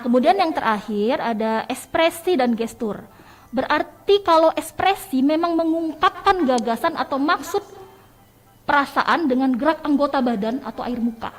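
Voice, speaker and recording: A woman teacher giving a radio lesson, explaining step by step and addressing her listeners warmly as children. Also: high voice. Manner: explains step by step, calls listeners "nak" and "sayang".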